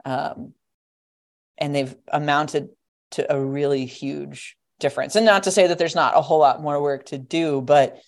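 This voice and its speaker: Guest, young adult, low voice, loose rambling delivery full of filler words. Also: female voice, fairly even intonation, normal speed. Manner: rambling, heavy use of "like" and "you know". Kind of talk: casual podcast conversation.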